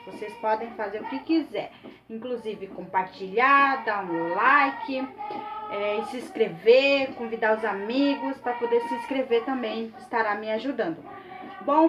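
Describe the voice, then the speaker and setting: A woman talks through a relaxed online language lesson, filling her sentences with little fillers as she encourages her students. Her voice sits a little high. The sound is dull and lo-fi, with faint music playing underneath. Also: moderate pace. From Mato Grosso do Sul, Brazil. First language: Guarani. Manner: chatty, many fillers, encouraging. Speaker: Guarani language teacher.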